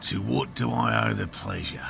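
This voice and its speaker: A gravelly, patient cryptid hunter. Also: male voice, fairly low pitch, animated, a little slow, bright, forceful tone, a little hiss or hum, heavily acted. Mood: dry sarcastic. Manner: dry, slightly sarcastic and patient. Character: patient, diligent middle-aged male cryptid hunter.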